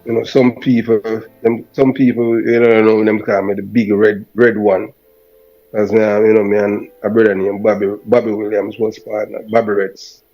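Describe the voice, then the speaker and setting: A man's voice: lowish voice, level tone, normal speed. A man with a Jamaican accent speaking as an interview guest in casual patois sprinkled with Rasta speech. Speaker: guest, former police officer. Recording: dull lo-fi sound, music behind.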